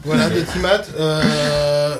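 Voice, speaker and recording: A male radio host wrapping up his show in a relaxed, upbeat way, with plenty of hesitant "euh" fillers. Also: fairly high pitch, slow pace. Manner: upbeat, loose, lots of hesitation. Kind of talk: casual radio chat.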